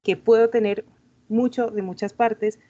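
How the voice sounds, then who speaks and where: A woman's voice: fairly high pitch, steady tone, a little slow, mellow, dull audio. A woman student reflecting personally during a class discussion, often restarting her phrases as she thinks.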